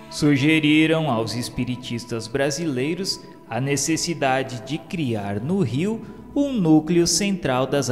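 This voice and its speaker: A Brazilian man reading a scripted radio narration in a solemn, formal, measured way. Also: mid-range voice. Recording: long reverb, music behind the voice. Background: music.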